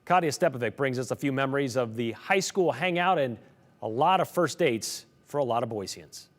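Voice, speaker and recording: A man anchors a news show in a medium-pitched voice. His delivery is conversational, that of a host who explains the stories as he presents them. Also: animated, normal speed.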